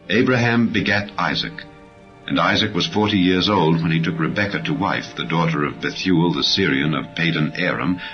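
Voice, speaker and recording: A man reading scripture as an audiobook narrator, in a solemn, measured manner with phrases that fall at the end. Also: sits low. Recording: slightly dull audio under clear music. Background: background music.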